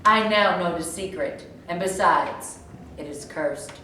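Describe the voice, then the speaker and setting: A woman's voice: fairly low pitch, unhurried, sharp tone. A woman in a staged reading playing an imperious, conquering prehistoric tribal leader. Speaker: actor. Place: echoey room at a staged reading. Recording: echoey room, distant mic, faint noise.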